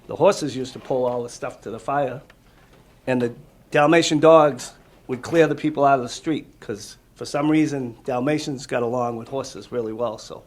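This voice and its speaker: A man reading a picture book aloud to children as a firefighter, with casual asides and simple explanations. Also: mid-range voice. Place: room with a small audience of children. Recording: noisy live room recording.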